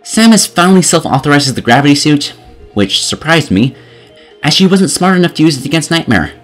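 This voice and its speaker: A man's voice: a little high, very animated, brisk, fairly bright tone. A man reading scripted video game review commentary in a sarcastic, exasperated manner. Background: music.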